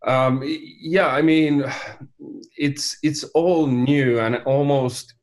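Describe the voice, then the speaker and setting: Finnish-accented man, halting. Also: a little high, fairly even intonation. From Finland. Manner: halting, many fillers and restarts. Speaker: company founder, guest. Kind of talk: casual interview talk.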